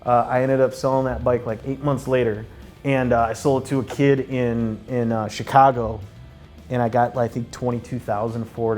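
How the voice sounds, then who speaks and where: A man's voice: mid-range voice, a little mellow. Swearing man spinning a rambling story. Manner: profane, rambling, filler-heavy. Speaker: guest telling a story. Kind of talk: casual storytelling.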